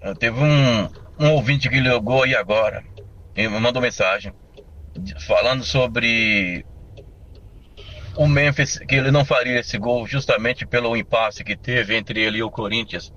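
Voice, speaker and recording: A man's voice: medium pitch, measured pace, sharp tone, highs cut off. A man calling in to a radio show, chatting casually and insisting earnestly on his opinion. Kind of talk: casual call-in chat.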